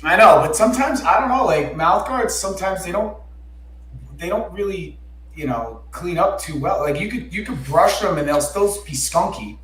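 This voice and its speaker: A hoarse man co-hosting a podcast with casual, profane banter. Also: sits high, expressive, normal speed, fairly bright tone. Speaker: podcast co-host. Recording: roomy, echoey room sound.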